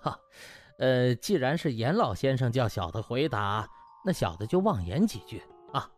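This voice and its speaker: A man plays a cocky young male doctor in a comic audiobook. He is glib, chatty and needling, with wildly varied pitch over light music. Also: big pitch swings, moderate pace, lightly acted. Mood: smug. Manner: chatty, mock-humble, needling.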